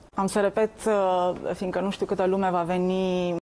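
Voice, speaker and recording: The speaker is a woman. She talks with flat, monotone intonation. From Arad, western Romania; western Romania. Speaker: theatre director; guest. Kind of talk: studio interview. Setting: TV studio. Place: studio. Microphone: lapel.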